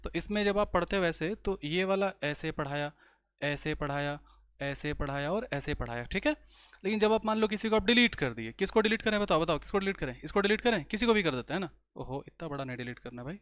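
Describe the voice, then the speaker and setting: A young man teaching biology in a lecture, often pausing to check the class follows. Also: fairly high pitch, lively intonation, a bit bright, clear, resonant tone, no echo. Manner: slow explaining, many rhetorical checks. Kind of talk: online exam-prep lecture.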